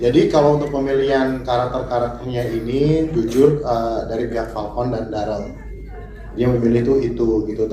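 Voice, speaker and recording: Male guest, mid pitch, chatty, echoey room. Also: mellow. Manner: casual, chatty with the press. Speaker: film guest at a press conference. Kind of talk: answering press questions.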